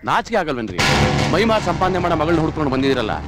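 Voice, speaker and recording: A scornful, harsh police inspector in a film drama, firing off rebukes. He talks extremely fast in a slightly raised voice. Loud music plays behind him. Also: on the high side, big pitch swings. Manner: scornful, rapid-fire rebukes.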